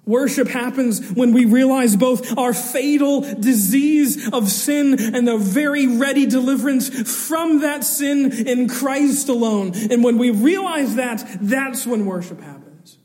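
A man's voice: extremely high pitch, unhurried, hardly any pauses. A man preaching a sermon to a congregation as pastor, solemn, earnest and emphatic in his delivery. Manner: earnest and emphatic, swinging between raised and hushed delivery. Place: large reverberant church hall. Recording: long hall reverb.

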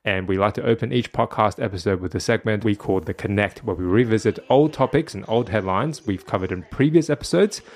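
Low gravelly man hosting a podcast. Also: a little fast, few pauses. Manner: relaxed, explanatory, self-deprecating. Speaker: podcast host. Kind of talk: casual podcast chat.

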